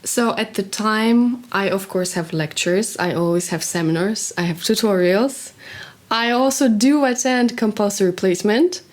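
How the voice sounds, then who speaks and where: A woman's voice: mid-range voice, moderate pace. Chatty young woman from Russia. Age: young adult. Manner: chatty, with fillers like "you know". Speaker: psychology student, interviewee. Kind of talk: casual interview answers.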